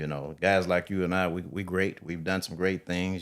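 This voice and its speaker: Over a very clean, silent background, a man with a very deep, low pitch talks at a fairly quick pace with fairly even intonation. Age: 60s. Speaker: financial advisor. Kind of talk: casual chat.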